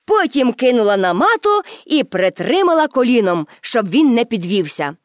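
Woman, storybook narrator, expressive, high voice, dry close sound. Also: moderate pace, no room sound. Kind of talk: storybook reading.

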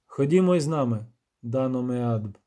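A man voicing a cold, proud, white-haired male elf leader who speaks in a measured, commanding way. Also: mid-range voice, animated, warm tone, natural voice. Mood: pleading.

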